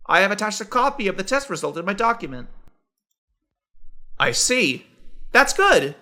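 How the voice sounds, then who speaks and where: A man reading scripted everyday conversations for English learners, in a clear, evenly paced textbook delivery. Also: sits high, sing-song, normal speed, pushed and bright. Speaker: dialogue voice for English practice.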